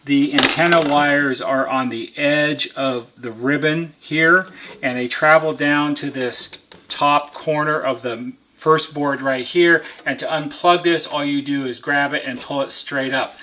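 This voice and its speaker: A man's voice: fairly high pitch, fairly even intonation, a little slow, sharp tone. A man giving a hands-on how-to demonstration as a repair technician, methodical and step-by-step, stressing key points.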